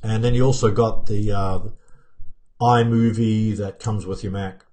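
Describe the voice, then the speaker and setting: A man's voice: on the low side, fairly even intonation, measured pace, a little mellow. A man in his fifties with a New Zealand accent worn down by years in America, hosting a casual live-stream Q&A from a home office and answering viewer comments with many fillers and restarts. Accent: New Zealand, softened by years in America. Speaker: YouTube channel host answering live chat. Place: home office room with plants and pictures, indoors. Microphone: webcam framing at desk.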